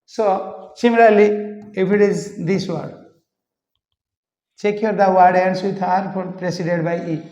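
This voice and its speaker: A man with a high voice teaches an English pronunciation class, repeating each word slowly to show how it sounds. The sound is muffled and lo-fi, with a long echo from a large room. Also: fairly even intonation, a little mellow.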